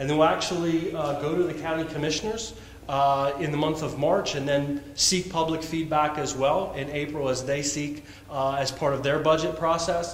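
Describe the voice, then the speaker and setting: Fairly even intonation from a man at a moderate pace, with light background noise and audible room echo. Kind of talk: public meeting presentation. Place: hall.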